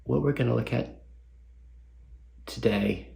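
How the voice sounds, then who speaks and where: A man leading a guided meditation as a guest teacher, speaking gently with long pauses and reflective questions. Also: mid-range voice, gravelly.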